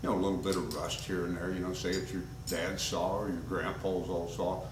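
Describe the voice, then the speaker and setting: A man's voice: deep voice, flat delivery, a little fast. An older man giving a casual, folksy workshop demonstration, talking loosely with plenty of fillers while he works. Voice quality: folksy, rambling with many fillers. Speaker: woodworking instructor. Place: home workshop, indoors. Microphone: camcorder mic at a distance. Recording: roomy workshop sound, distant mic, clear background noise.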